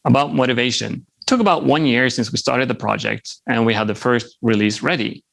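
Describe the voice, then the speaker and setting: A man's voice: medium pitch, fairly quick, vocal fry, fairly bright tone. A man in his thirties from Norway, whose first language is Norwegian, giving a friendly conference talk with light humor. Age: 30s. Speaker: software developer presenting. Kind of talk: conference presentation.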